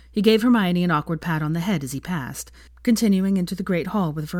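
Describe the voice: Ordinary pitch variation in plain reading aloud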